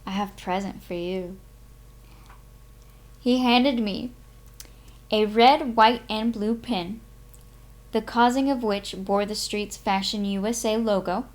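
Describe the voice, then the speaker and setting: A woman hosting a live stream, speaking in an expressive, unhurried way with dramatic, drawn-out phrasing. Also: a little high. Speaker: host of a live reading stream. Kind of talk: expressive audiobook-style reading and casual stream chat.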